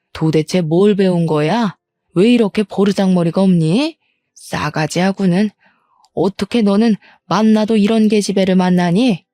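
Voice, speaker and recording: A woman voicing a sharp-tongued older mother-in-law who nags and scolds with contempt. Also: mid-range voice, dry recording, natural voice. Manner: nagging, scornful scolding.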